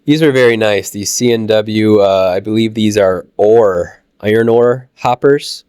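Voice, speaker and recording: A low-voiced man with a Midwestern American accent talks his way through a train show, relaxed and halting with plenty of "uh"s. His voice is smooth and clear despite a lingering cold. It sits close and dry on the mic, with no room sound. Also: dry recording. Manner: relaxed, halting with many "uh" fillers. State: recovering from a cold. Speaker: channel host touring a train show. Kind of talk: casual walkthrough narration.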